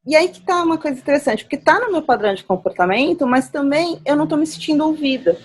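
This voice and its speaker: A woman speaking as a guest in a conversational talk, reflective and growing animated when she acts out examples. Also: high voice, fast talker. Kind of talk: conversational talk on nonviolent communication.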